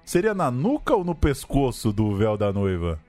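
Male Brazilian podcast host, medium pitch, irreverent emphatic football banter over faint music. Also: huge pitch swings, moderate pace, mellow. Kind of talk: casual football chat.

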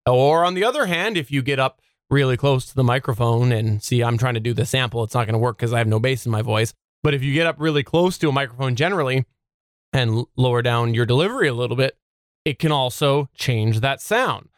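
A man with a somewhat high voice gives practical, easygoing advice as a podcast co-host. He talks listeners through their setup in a conversational way. The recording is dry and close. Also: no room sound. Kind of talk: casual instructional chat.

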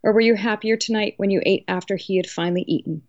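A woman's voice: medium pitch, quick pace, a little mellow, no echo, close to an everyday voice. Woman reading as an earnest colonial professor. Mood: earnest, instructive. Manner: didactic, emphatic. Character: earnest, learned male colonial law professor. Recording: dull lo-fi audio.

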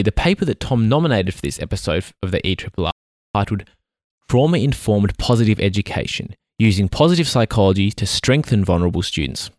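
A man hosts an education podcast and introduces his guest in a measured, formal reading. His voice sits a little low. The recording is dry and close. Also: no echo. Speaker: podcast host. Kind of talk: scripted introduction and interview questions.

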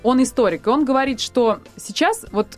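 Female studio guest, fast emphatic speech, conversational. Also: sits high, darkish tone, soft background music. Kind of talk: radio studio discussion.

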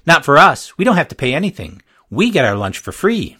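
A man's voice: a little high, sing-song, fairly quick, breathy edge, pitched above the performer's own voice, full character voice. A man voicing a young girl who speaks bluntly and insistently, in a storybook reading. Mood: defiant. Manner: insistent, loud. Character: blunt indignant little girl.

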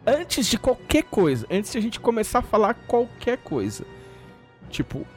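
Lively Brazilian man chatting on a podcast. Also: high voice, moderate pace, faint music behind. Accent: Brazilian Portuguese. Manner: profane, joking, lots of fillers. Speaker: podcast host. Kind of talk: casual podcast chat.

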